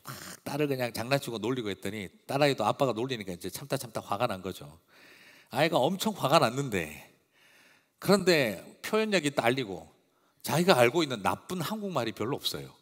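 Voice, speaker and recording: Male pastor, lively preaching voice, punchy then hushed, sermon in a reverberant church hall. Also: medium pitch, fairly quick. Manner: emphatic and expressive, swinging between loud and hushed. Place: church sanctuary. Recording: long reverb of a large hall.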